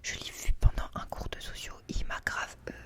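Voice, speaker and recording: A young adult woman chats informally about books in a soft library whisper, ASMR style, rambling with youthful slang. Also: moderate pace. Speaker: ASMR book vlogger. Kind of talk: ASMR book haul chat.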